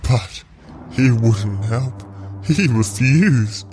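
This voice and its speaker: A man playing a vengeful clone villain in an audio roleplay, telling his story in a deliberate, gloating, theatrical way. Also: medium pitch. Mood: cold, vengeful. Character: vengeful male clone villain plotting to destroy a reality. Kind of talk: scripted audio roleplay monologue. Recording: music behind the voice.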